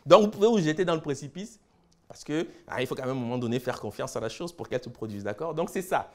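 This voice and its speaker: A man from Cameroon giving a lecture, listing words slowly and then explaining them with emphasis. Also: medium pitch, expressive, darkish tone. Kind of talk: lecture on word roots.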